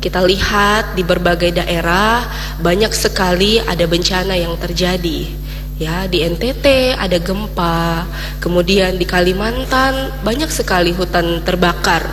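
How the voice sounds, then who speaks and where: A woman's voice: fairly low pitch, measured pace, long reverb tail, music in the background. A woman from Indonesia giving a Sunday sermon, often addressing the congregation and ending phrases with a questioning tag. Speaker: preacher.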